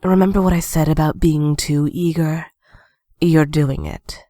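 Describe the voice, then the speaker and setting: A cool, wry young female ninja played by a woman in an audio drama. She speaks low and slowly with a mellow, dark tone. The recording is dry. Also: steady tone, dry recording. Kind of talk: amateur audio drama acting.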